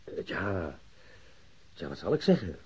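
A man acting a slippery, evasive gangster who feigns innocence in a Dutch radio drama, hesitant and smooth-talking. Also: sits low, big pitch swings, a little slow, a little mellow, heavily acted. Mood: feigned innocence. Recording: dull, lo-fi radio drama recording.

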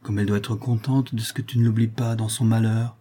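A man reading an audiobook aloud, voicing a shy, gentle young woman who speaks hesitantly. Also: fairly low pitch, level tone, fairly quick, slightly rough. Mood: worried. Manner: timid, hesitant, soft.

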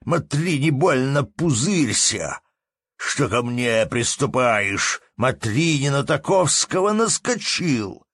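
A man voicing a hot-tempered innkeeper who scolds loudly in folksy speech. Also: fairly low pitch, expressive, takes it slowly, no echo, exaggerated voice. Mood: angry.

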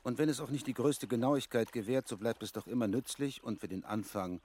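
An actor playing a practical, courteous military captain in a literary radio drama, husky and precise in his speech. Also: mid-range voice, brisk, darkish tone, close to an everyday voice. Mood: practical, assured.

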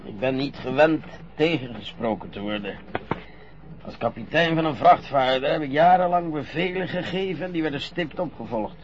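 An actor playing a frail, stubborn old retired ship captain who grumbles and stammers. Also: male voice, medium pitch, lively intonation, moderate pace, lo-fi sound, background noise, natural voice. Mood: grumpy. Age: older. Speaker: actor in a radio play. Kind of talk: radio drama acting.

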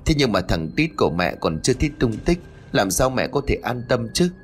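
A man's voice: medium pitch, very animated, brisk, faint music behind, lightly acted. A man voicing a grieving old grandmother who pleads and wails in a storybook reading. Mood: worried. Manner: wailing, pleading.

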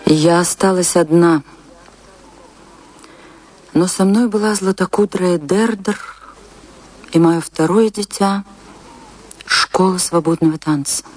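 A woman's voice: fairly low pitch, slow pace, pauses often. An actress playing a passionate woman dancer recounting a stormy love affair in a confessional, theatrical radio play manner. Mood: reflective. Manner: theatrical, confessional, emotionally expressive. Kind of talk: dramatic radio play monologue and dialogue.

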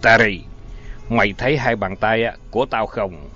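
A man voicing a big, furious male priest who growls slow, measured threats. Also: mid-range voice, expressive, a bit bright, close to an everyday voice. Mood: menacing. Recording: dull lo-fi audio, faint music.

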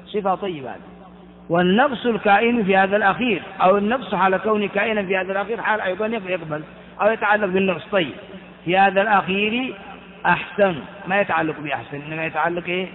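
Man teaching grammar in an echoey hall. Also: sits high. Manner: asks the class questions and answers them himself; slow and deliberate, repeating key terms. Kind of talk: classroom grammar lesson. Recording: tinny phone-like audio in a reverberant hall.

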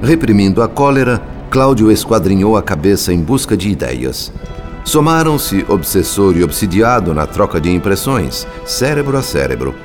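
A man with a Brazilian accent playing a grave, watchful spirit who narrates a radio drama in literary, solemn style. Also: low voice.

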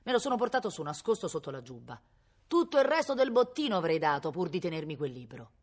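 A woman's voice: on the low side, very animated, fast talker. A woman reading aloud voices a shabby, bearded male bandit who talks in a hesitant, sheepish way.

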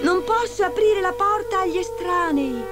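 A woman voicing Snow White as a sweet, innocent young girl with a bright, high voice. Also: moderate pace, over loud music. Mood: anxious.

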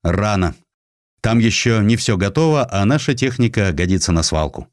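A man's voice: lowish voice, animated, normal speed, no echo, studio quality, natural voice. A man playing a commanding, bluntly critical older Russian emperor in a dramatized audiobook. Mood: curt, businesslike.

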